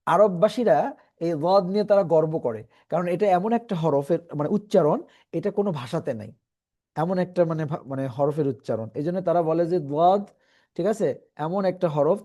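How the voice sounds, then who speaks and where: A man teaching Quran reading in an online class, patiently explaining and slowly repeating letter sounds for his students. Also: a little high, mellow.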